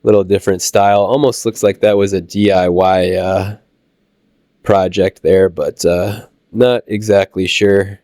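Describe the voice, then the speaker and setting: Low-voiced Midwestern man narrating a train show. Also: no room sound, clean studio sound. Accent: Midwestern American. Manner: relaxed, halting with many "uh" fillers. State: recovering from a cold. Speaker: channel host touring a train show. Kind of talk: casual walkthrough narration.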